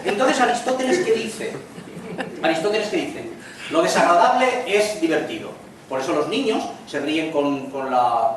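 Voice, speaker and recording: Spanish-accented male lecturer, joking and chatty, voice a little high, recorded from far off in an echoey room. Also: slight background noise. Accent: Spanish (Spain). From Spain. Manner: chatty, tells jokes with quick acted lines. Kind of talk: lecture with jokes.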